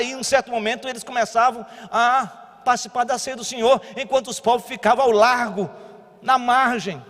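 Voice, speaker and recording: A Brazilian pastor preaching a sermon, moving between quiet teaching and loud exhortation. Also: male voice, sits high. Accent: Brazilian Portuguese. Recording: long church hall reverb.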